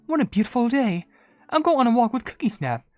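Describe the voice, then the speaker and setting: Woman acting out a gentle, courteous young incense maker. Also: fairly high pitch, big pitch swings, a little fast, no room sound. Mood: friendly. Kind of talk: reading game dialogue aloud in character. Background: game music.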